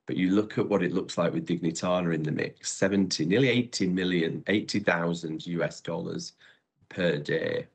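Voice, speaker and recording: A man presenting company results as chief executive on an earnings call, in a measured, businesslike and upbeat way. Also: low-pitched, vocal fry, husky.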